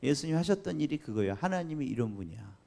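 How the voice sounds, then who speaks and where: A man preaching a Sunday sermon as pastor, chatty and lively, asking the congregation questions and laughing along. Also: on the high side, very fast, vocal fry. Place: church sanctuary.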